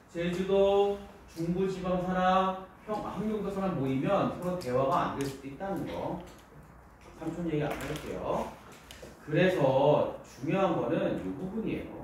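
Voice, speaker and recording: A male high school teacher giving a casual classroom lecture, asking students questions and bantering with them. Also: slight background noise. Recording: echoey classroom from far off.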